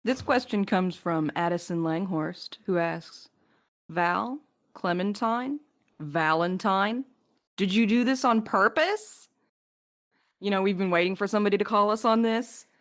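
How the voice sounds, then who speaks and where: A woman's voice: mid-range voice, measured pace. A woman co-hosting a podcast in a casual question-and-answer chat. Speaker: podcast co-host and writer.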